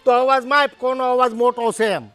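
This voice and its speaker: An actor with a Kathiyawadi accent playing a loud, hot-tempered village farmer who shouts and scolds his wife. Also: very high-pitched, fairly even intonation, a little fast, soft background music. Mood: angry. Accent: Kathiyawadi Gujarati. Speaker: husband and farmer. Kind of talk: village family drama acting.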